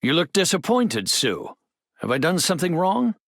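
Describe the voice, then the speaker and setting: An actor playing a brainy, well-meaning but oblivious hero husband in a video game, earnest and articulate. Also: male voice, fairly high pitch, very animated, moderate pace, vocal fry, exaggerated voice. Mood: puzzled, earnest.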